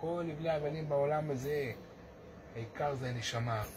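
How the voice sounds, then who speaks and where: Over noticeable background noise and audible room echo, a man speaks at a moderate pace with a fairly high pitch and ordinary pitch variation. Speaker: paralyzed accident survivor on ventilator. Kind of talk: personal testimony. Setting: small room at home. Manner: halting.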